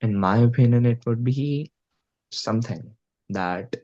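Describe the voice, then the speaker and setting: This young adult guest musician speaks with an Indian Punjabi accent, chatting earnestly and casually in an interview and leaning on "you know" and "like." His pitch is medium, his delivery a little slow, and his tone dark. The audio sounds dull.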